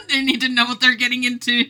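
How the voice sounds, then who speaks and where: Drawing game art on a live stream, a woman chats loosely with viewers, giggling and teasing as she talks. She has a noticeably bright, forward voice pitched slightly high, with gentle music behind her.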